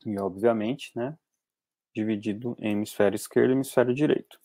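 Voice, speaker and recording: A young Brazilian man teaching anatomy in an online class from a small room, talking conversationally and often tagging sentences with quick checks. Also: lowish voice, steady tone, mellow, dry recording. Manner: conversational, frequent tag questions. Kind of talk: online lecture over slides.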